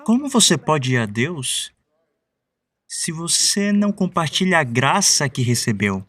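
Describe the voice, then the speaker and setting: A man preaching a sermon, telling a story in a lively way and giving voice to the people in it. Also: fairly high pitch, a little slow, dry recording, far from the mic. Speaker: pastor.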